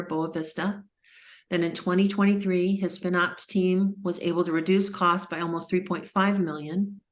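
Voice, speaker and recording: A woman hosting an online panel, reading formal introductions of each speaker in a measured way. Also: lowish voice. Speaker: event host introducing panelists. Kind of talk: scripted introductions read aloud.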